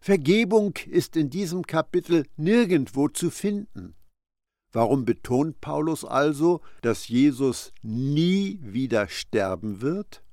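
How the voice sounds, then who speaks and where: Guy preaching slow and emphatic, talks right at you, dry close sound. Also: a little high, expressive, a little mellow, no echo. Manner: emphatic, addresses the listener directly. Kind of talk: sermon-style Bible commentary.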